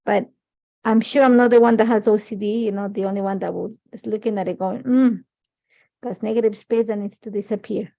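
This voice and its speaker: A woman's voice: medium pitch, fairly even intonation, brisk, creaky, warm tone. A middle-aged woman with an Ecuadorian Spanish accent, a native Spanish speaker, chatting casually and thinking aloud as she leads a live crafting demonstration. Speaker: crafting host. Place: crafting desk, overhead camera. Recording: dull lo-fi stream audio.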